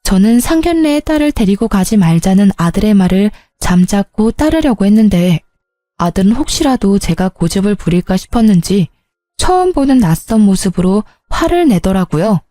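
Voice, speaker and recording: A woman's voice: medium pitch, big pitch swings, normal speed, mellow, no echo. A middle-aged woman narrating her own family story in the first person, earnest and confessional. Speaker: storyteller mother.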